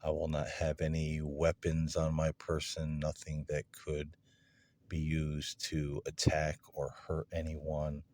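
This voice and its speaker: A man with an extremely deep voice speaks at a slow, deliberate pace. He sounds like a paranormal investigator putting questions to an unseen presence, leaving space between his phrases. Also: monotone, a little mellow. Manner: deliberate, measured, with long pauses between phrases. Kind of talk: addressing spirits aloud in a recorded session, questioning.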